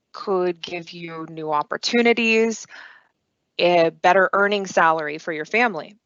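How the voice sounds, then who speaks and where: A woman in her thirties presents to an online conference in a steady, clearly paced way. Her voice sits a little low for a woman. The sound is dry and dull, like a lo-fi computer mic. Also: no echo. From United States. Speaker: conference speaker.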